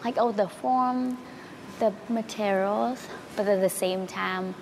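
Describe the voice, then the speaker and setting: Woman artist, Vietnamese first language, gravelly, searching answers, noisy location. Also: mid-range voice, fairly even intonation, slow. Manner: searching, uses fillers like "like". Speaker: artist interviewee. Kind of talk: casual interview answers.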